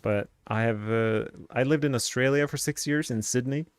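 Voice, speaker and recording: Casual and rambling, a man from Sweden talks over his gameplay on a live stream, filling gaps with fillers and thinking aloud in a light Swedish accent. He's a game streamer with a mid-range, clean-toned voice at normal speed, captured in a dry recording.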